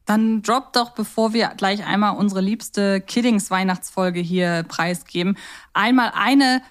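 Woman, medium pitch, chatty, rambling, casual podcast co-host. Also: a little slow. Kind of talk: casual unscripted podcast chat.

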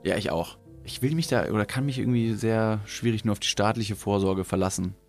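A man's voice: on the low side, a little fast, soft background music. A young man co-hosting a podcast, chatting loosely and reading an ad in a slangy, laid-back way. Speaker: podcast co-host. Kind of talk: casual podcast chat and host-read ad.

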